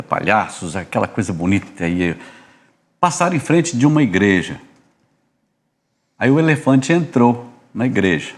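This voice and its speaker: Brazilian man, church podcast host, lowish voice, rambling storyteller. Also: gravelly. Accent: Brazilian Portuguese. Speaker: podcast host, music minister. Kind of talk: casual church podcast chat.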